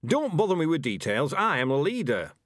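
A man's voice: mid-range voice, big pitch swings, moderate pace, no room sound, studio quality, voice pushed up. Man acting a pompous, growling old rat leader. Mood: sharp, imperious. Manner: pompous, sharp, grumbling.

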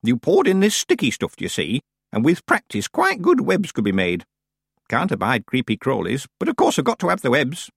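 A man voicing a proud, sly old woman witch in an audiobook, with crisp, dramatic, genteel delivery. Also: medium pitch, wildly swooping pitch, normal speed, a bit bright, dry recording, clean studio sound, pitched above the performer's own voice, full character voice. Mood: pleased, wry. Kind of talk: audiobook character voice.

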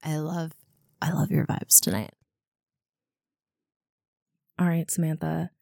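A woman podcast co-host with a fairly low, husky voice, stuffed up with allergies. She chats casually in a gushing, exclamatory way, recorded close and dry. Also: lively intonation, slow, warm tone, dry recording. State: congested from allergies. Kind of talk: casual chat between friends.

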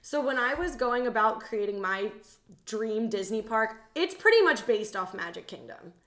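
A woman's voice: fairly high pitch, animated, normal speed, a bit bright. A woman in her twenties chatting casually as a podcast co-host, with an informal, slangy way of talking. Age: 20s. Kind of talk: casual chat. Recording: roomy, echoey sound.

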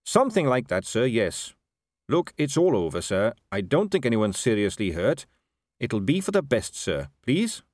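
A man's voice: medium pitch, sing-song, normal speed, darkish tone, no echo, clean studio sound. A man voicing an earnest, polite and honest young watch captain in a story, respectful, firm and a little wooden.

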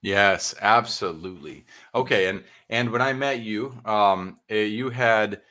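A man's voice: fairly low pitch, a little slow, sharp tone. A man hosting an interview, asking curious follow-up questions in a conversational way. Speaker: podcast host, interviewer.

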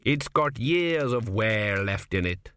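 A man voicing a cynical, crude old ancestor ghost, a former swindler, with a slow, gruff drawl in an audiobook. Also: fairly low pitch, expressive, fairly bright tone, a little hiss or hum. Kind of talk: audiobook character voice.

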